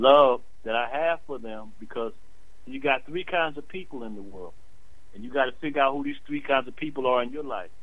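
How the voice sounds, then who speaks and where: A man at a fairly quick pace and medium pitch, ordinary pitch variation, with audible room echo. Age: 60s. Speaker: community organizer and newspaper editor. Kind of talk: radio interview.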